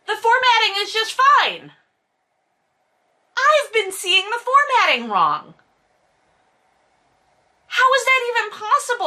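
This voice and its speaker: A woman's voice: very high voice, sharp tone. A woman giving casual, comedic book commentary in an exasperated, sarcastic, sweary manner full of exaggeration. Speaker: host reading and critiquing a novel.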